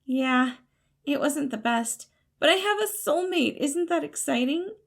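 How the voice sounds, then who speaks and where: A woman's voice: high voice, animated, a little slow, gravelly, voice pushed up, exaggerated voice. A woman voicing an earnest, cheerful young man in an audio story, bubbly, apologetic and a little hesitant. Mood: cheerful, eager.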